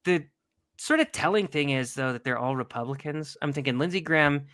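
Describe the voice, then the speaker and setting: A man co-hosting a casual political podcast, with a nasally, drawly voice and halting restarts. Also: on the high side, fairly bright tone, smooth. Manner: laughs often, hesitant restarts. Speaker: podcast co-host.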